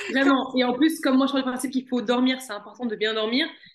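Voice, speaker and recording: Her pitch is high for a woman, with ordinary variation. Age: 20s. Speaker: entrepreneur and media founder. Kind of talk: podcast interview.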